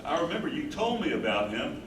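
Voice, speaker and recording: A man playing a concerned, gentle, supportive husband in a staged play reading. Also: on the high side, very animated, a little fast, far from the mic. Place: live staged reading in a room. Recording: echoey, noisy room from afar.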